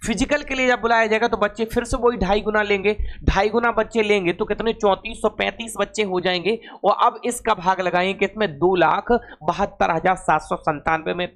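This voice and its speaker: A man's voice: high voice, a bit bright. A man teaching an informal exam-prep class, repeating phrases and asking questions that he then answers himself.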